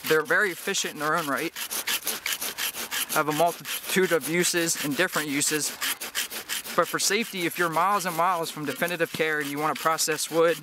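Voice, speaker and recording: Man, casual rambling tool demo, slightly out of breath, outdoors, loud sawing and wood noise. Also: a little high, brisk. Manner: relaxed, rambling, repeats words while working. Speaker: outdoor gear reviewer. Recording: noisy, with sawing sounds behind.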